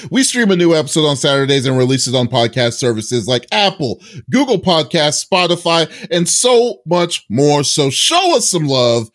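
A man's voice: on the high side, big pitch swings, moderate pace, few pauses, fairly bright tone. A man hosting a podcast in casual chat, often repeating his words and phrases. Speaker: podcast host.

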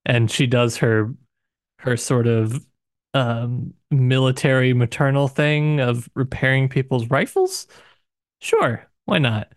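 Halting, wry man in dry close sound. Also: medium pitch, sing-song, no echo. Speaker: podcast co-host. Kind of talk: casual book chat.

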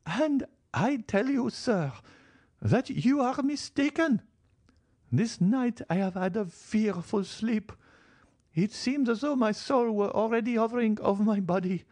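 A man putting on an imperious old marchioness, high and insistent. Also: expressive, unhurried, a little mellow, no echo. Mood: imperious, feverish. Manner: insistent, commanding and feverish. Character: frail, imperious old marchioness, obsessed with death. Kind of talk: audiobook character reading.

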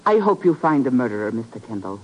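A woman's voice: a bass voice, big pitch swings, fast, darkish tone, exaggerated voice. An actress playing a fiery, vengeful young Arab woman with an intense, dramatic manner in 1950s radio drama style. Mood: bitter, vengeful. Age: young adult. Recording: muffled old radio recording.

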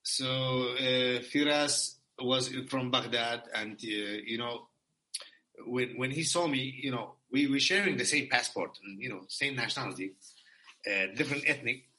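Man, 30s, earnest and halting, bright voice. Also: mid-range voice, poor audio. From Iraq. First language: Kurdish. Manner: earnest, halting, repeats words. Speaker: former exchange student. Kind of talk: heartfelt conversation.

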